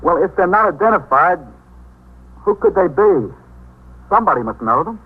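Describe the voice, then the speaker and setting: An actor playing an earnest young sailor who stammers and hesitates, with a husky voice, in 1950s radio drama style. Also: male voice, sits high, sing-song, moderate pace, exaggerated voice. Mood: desperate. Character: anxious young male sailor, eager and earnest. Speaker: sailor looking for his family. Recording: tinny 1950s radio recording.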